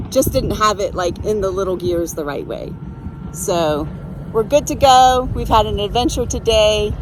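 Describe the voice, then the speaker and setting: Over noticeable background noise, a woman with a medium pitch speaks at a moderate pace using lively intonation. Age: 50s. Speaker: family vlogger. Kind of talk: casual vlog chat. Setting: outdoors on a bike trail.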